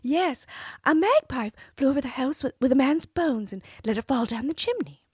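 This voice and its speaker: A woman's voice: sits high, very animated, moderate pace, darkish tone, no room sound, clean studio sound, pitched above the performer's own voice. A woman doing a sweet wheedling princess. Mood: coaxing. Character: young princess, coaxing and cunning.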